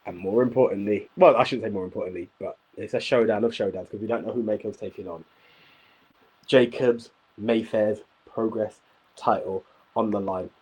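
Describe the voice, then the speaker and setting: A man's voice: fairly low pitch, steady tone, moderate pace, a little mellow, slightly rough, rough recording. A man hosting a wrestling review show, speaking emphatically and repeating himself for emphasis. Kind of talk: casual podcast chat.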